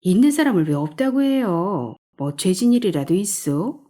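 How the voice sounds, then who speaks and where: A woman's voice: medium pitch, animated, unhurried, a little mellow, slightly rough. A woman voicing a cautious, nagging middle-aged wife in an audiobook.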